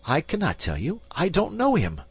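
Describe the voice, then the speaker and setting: A man's voice: wildly swooping pitch, moderate pace, slightly rough, no room sound, exaggerated voice. A man voicing a frantic, fawning landlord, Bonacieux. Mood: indignant. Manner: pleading, panicky, high and whining. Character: frantic, fawning middle-aged male landlord. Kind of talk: audiobook character voice.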